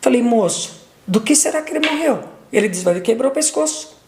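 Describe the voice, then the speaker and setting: A middle-aged woman giving an emotional testimony as a mother, retelling dialogue, repeating words, her voice leaping high at intense moments. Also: lively intonation, brisk, echoey room, background noise.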